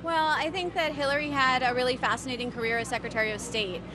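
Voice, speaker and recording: A woman's voice: high-pitched, steady tone, fast talker. An American woman giving her opinion in a casual street interview on a city sidewalk, as a member of the public waiting in a queue. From Pittsburgh, United States. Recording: loud city street and traffic noise.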